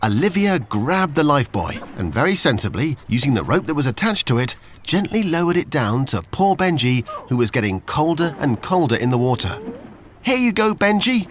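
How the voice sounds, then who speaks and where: British man narrating, lively and animated. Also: medium pitch, moderate pace, few pauses, a little hiss or hum. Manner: expressive, storytelling to young children. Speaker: children's story narrator. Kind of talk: scripted storybook narration.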